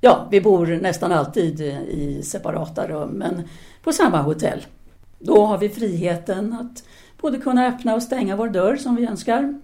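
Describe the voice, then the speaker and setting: A woman's voice: mid-range voice, warm tone, natural voice. An actress playing a self-assured, independent-minded French woman teacher in a 1930s audio drama, speaking formally and didactically. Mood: encouraging. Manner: formal, articulate, didactic, with hesitant pauses.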